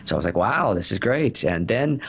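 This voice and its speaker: A man's voice: on the low side, sing-song, brisk, fairly bright tone, husky, lo-fi sound. A man being interviewed about his voice acting work, telling stories in a chatty way with many fillers and restarts. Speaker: voice actor guest. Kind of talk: casual interview answers.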